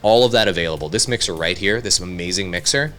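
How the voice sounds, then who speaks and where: A man presenting a casual software tutorial in an upbeat, conversational way, speaking directly to viewers into a studio microphone. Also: low-pitched, quick pace. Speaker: tutorial host, content creator. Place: home studio.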